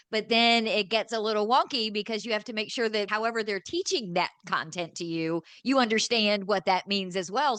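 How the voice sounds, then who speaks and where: A woman's voice: medium pitch, a bit bright, clean tone, no room sound. A woman hosting a radio show, chatting with a guest over a video call and asking friendly questions.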